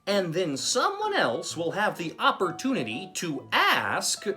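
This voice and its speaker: A man's voice: high voice, wildly swooping pitch, measured pace, sharp tone, faint music behind, exaggerated voice. A man voicing a friendly, hesitant puppet host with an encouraging gee-whiz manner in a comedy show. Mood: cheerful encouragement.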